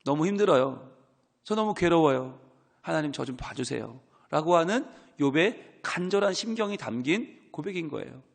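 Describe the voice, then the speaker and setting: Guy pastor, high voice, long church echo, asks the congregation questions a lot. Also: expressive, moderate pace, vocal fry, breathy edge. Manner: voices the sufferer's pleading prayers with swings from soft to loud; keeps asking the congregation questions. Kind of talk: early-morning prayer sermon. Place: church sanctuary. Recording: long reverb of a church hall.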